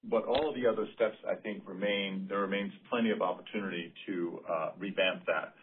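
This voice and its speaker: Deep-voiced male executive over phone line. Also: fairly even intonation, brisk. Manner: explanatory, considered phrasing. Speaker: company executive. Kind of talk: spontaneous answer on earnings call. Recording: narrowband, radio-like phone line.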